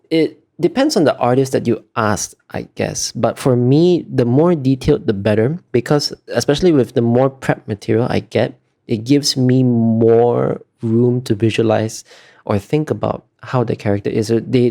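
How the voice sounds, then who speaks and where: A man's voice: mid-range voice, moderate pace, creaky, warm tone. A man being interviewed as an artist, talking casually and thoughtfully, feeling his way through explanations in trailing clauses.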